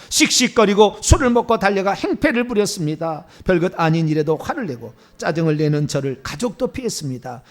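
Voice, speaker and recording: A middle-aged male pastor who preaches and leads a repentance prayer with fervent, declamatory force. His voice sits high for a man. It swings widely in pitch as he pushes each confession and vow. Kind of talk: sermon and led repentance prayer.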